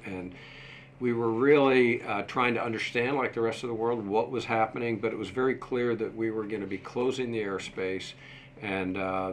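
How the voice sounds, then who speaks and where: A man in his sixties speaks with a low voice as an interview guest. His phrasing is measured and hesitant, with pauses. He is recorded at a table microphone with clear room noise behind him. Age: 60s. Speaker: interview guest, museum deputy director and former airport manager. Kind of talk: interview answers. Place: small indoor office set. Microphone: desktop microphone shared at a table.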